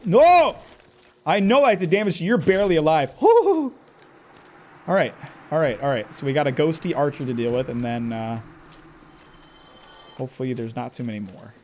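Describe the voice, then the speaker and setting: A man's voice: fairly high pitch, sing-song, normal speed, pauses often, darkish tone, a little hiss or hum. A man commenting on his own game live, stressed, talking to himself and cursing at enemies with sudden outbursts. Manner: talks to himself, curses at enemies, jumpy outbursts. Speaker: streamer playing a game live.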